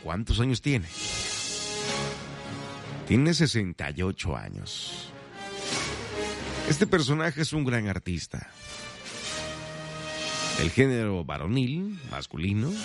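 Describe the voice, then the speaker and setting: Animated radio host man. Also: lowish voice, slow, pauses often, music in the background. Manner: chatty, playful, addresses listeners directly. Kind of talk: morning radio trivia segment.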